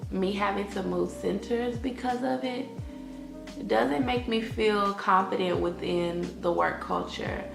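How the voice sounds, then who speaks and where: A woman's voice: medium pitch, a little slow, gravelly. A woman with an African American accent talking candidly in a personal vlog, conversational and repeating phrases for emphasis. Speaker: English teacher vlogging. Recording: roomy echo, faint music behind.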